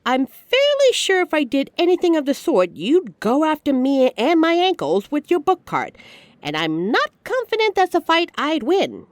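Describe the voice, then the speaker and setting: Woman acting a high-voiced, teasing mafia boss lady. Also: wildly swooping pitch, normal speed, dry recording. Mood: teasing, curious. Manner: teasing, smug, chatty, addresses listener directly. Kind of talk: scripted ASMR-style roleplay audio drama.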